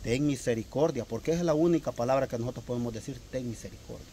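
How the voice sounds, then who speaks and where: A man's voice: medium pitch, racing, warm tone, slight background noise. Preachy man. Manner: preachy, retells Bible stories with rising emphasis. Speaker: religious cousin. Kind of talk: comedic sketch conversation.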